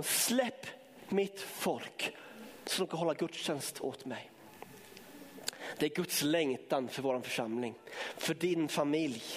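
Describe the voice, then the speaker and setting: A man preaching a sermon to his congregation, impassioned, building up to shouting and then dropping low. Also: big-room sound. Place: church sanctuary.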